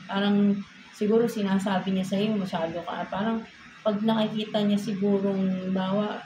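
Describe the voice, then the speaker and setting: A woman's voice: medium pitch, little pitch movement, moderate pace. A woman with a Filipino accent giving a casual tarot reading, code-switching and ending most phrases with a questioning "no?". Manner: code-switching, frequent tag "no?". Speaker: tarot reader. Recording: echoey room with noise.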